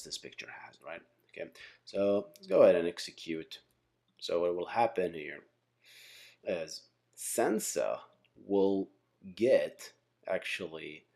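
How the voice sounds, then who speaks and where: A man with a low, dark, relaxed voice explains things in an informal tutorial. His intonation is highly animated, rising and falling widely. He thinks aloud as he goes and often pauses to check in. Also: creaky. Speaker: software engineering instructor.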